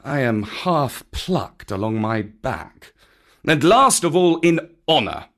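A man's voice: medium pitch, sing-song, slow, fairly bright tone, full character voice. A man voicing a proud, stern black panther in a storybook, scolding in an emphatic, aggrieved way. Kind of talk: dramatic storybook character acting.

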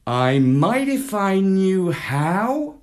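Man playing a male companion, easygoing, matter-of-fact, slow. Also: high-pitched, sing-song, voice pushed up, exaggerated voice.

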